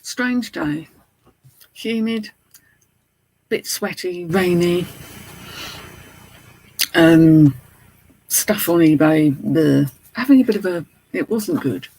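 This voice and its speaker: A British man with a slight lisp from a mouth appliance and a husky, gravelly voice, rambling chattily to live viewers. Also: high-pitched, takes it slowly, pauses often, darkish tone, low-quality recording. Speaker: online reseller and streamer. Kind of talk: casual live chat to viewers.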